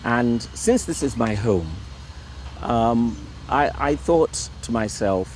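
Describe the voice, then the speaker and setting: Slow and expressive, this medium-pitched middle-aged Irishman is a Catholic priest chatting as a guest in a laid-back interview at his home. His speech is hesitant and peppered with fillers and repetitions, and there's a little background noise.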